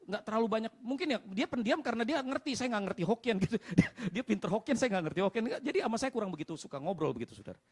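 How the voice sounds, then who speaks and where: A man preaching a sermon as pastor, telling personal stories and addressing the congregation over and over, dropping to a hush and then rising to shouts. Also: sits high, very animated, very fast, few pauses, breathy edge. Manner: addresses the congregation as "saudara" constantly, swings from quiet to shouting.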